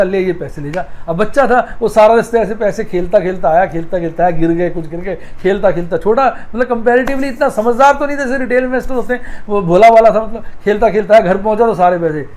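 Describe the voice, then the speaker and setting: A man's voice: high-pitched, quick pace, few pauses, darkish tone. A middle-aged man, giving a casual stock market lesson and telling homely stories straight to his viewers. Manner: homely, repeats phrases, talks straight to viewers. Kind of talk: casual teaching talk with storytelling.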